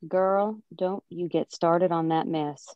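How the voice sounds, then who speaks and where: A woman's voice: lowish voice, steady tone, takes it slowly, darkish tone, clear, resonant tone, no echo, highs cut off. A woman reading a no-nonsense, scolding small-town mother at a screenplay table read.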